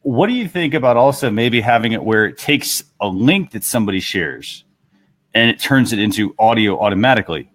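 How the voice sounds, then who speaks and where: A man's voice: lowish voice, animated, brisk, a bit bright. A man hosting a talk show, casually explaining tools and tips to his audience and fellow panelists.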